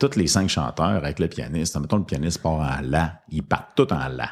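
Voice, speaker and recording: A man speaks with a Quebec accent and vocal fry. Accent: Québécois French. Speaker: restaurant owner. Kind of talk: interview. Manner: casual, with many fillers.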